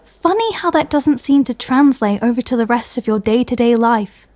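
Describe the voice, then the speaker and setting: A woman's voice: fairly high pitch, lively intonation, moderate pace, darkish tone, no room sound, close to an everyday voice. A woman playing a sardonic, fed-up superhero in a comedy audio roleplay, speaking in a dry way. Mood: dry, accusing. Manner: dry, irritated, sarcastic.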